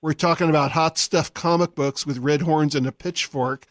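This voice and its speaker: Male talk show host, close studio mic, dry sound, slightly high voice. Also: fairly even intonation, dry recording. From California. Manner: quick to laugh, explains at length. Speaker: radio host. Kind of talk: casual radio talk.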